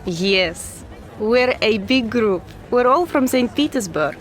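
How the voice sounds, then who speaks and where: A woman voices a friendly young tourist. She speaks slowly, with a slightly high voice that moves lively up and down. Faint ambience sits behind her. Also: soft background music.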